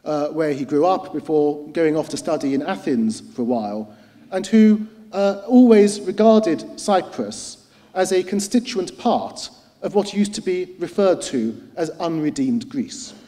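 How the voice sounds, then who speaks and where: A middle-aged man with a high, mellow voice delivers a formal lecture. He is articulate and measured but often pauses on a hesitant "uh". His voice carries a long reverb from a large hall. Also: expressive. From United Kingdom. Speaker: historian giving a lecture. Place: lecture hall at a cultural centre.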